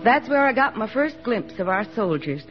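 An actress playing an eager young army nurse in a 1940s radio drama, earnest and soft-spoken, on a dull old radio recording. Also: female voice, fairly high pitch, big pitch swings, normal speed, faint music behind. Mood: brisk.

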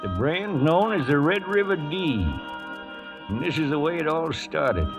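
Folksy old-West cowhand, lively swooping voice. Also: male voice, on the high side, a little slow, low-quality recording. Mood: reminiscing. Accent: American. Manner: rustic, drawling cowboy grammar. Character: folksy loyal trail cowhand, narrating his old tale. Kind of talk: 1940s-1950s radio western acting. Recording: old radio recording with music behind.

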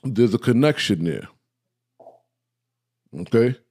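A man hosts an informal talk and speaks directly to his viewers. His voice is dark and mellow, sitting in an ordinary middle pitch. He keeps checking in with the audience as he goes, and he sometimes trips over his words when he gets worked up. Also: very animated, takes it slowly. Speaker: host. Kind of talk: casual talk, live-stream lecture.

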